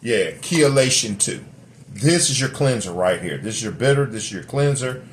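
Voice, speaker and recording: A man's voice: lively intonation, moderate pace, a little hiss or hum. A middle-aged man vlogging from home to a camera he set up, talkative and rambling with lots of fillers and restarts. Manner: drops into a deep put-on radio voice. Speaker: vlogger reviewing a product. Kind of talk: rambling casual vlog. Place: home room. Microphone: camera set up nearby.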